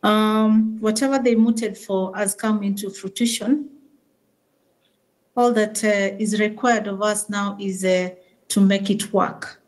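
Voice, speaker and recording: A woman, the organisation's CEO, giving a formal speech full of prayers and blessings, with many pauses and fillers, joining remotely. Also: medium pitch, fairly even intonation, low-quality recording. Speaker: SACCO CEO addressing members remotely. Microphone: remote link into the meeting.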